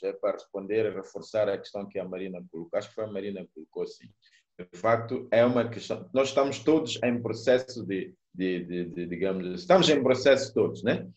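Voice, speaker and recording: A man moderating a live online discussion, agreeing with the guest and pausing as he restarts his phrases. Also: lowish voice, highs cut off. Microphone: video call mic.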